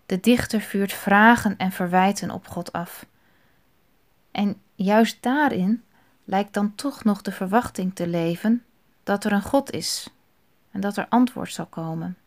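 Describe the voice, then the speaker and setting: Slow, thoughtful woman reflecting softly. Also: mid-range voice. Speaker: speaker reflecting on a psalm. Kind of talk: reflective spoken meditation.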